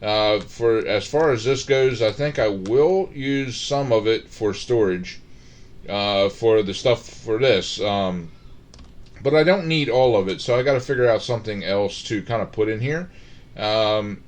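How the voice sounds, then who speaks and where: Rambling, halting man narrating his gameplay. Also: lowish voice. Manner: rambling, halting, many fillers and restarts. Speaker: Minecraft let's-play host. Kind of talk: casual gameplay commentary.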